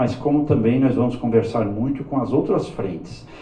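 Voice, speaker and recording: The speech has ordinary pitch variation. Audible room echo surrounds it. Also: man. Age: 60s. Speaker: politician. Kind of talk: panel discussion. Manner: halting.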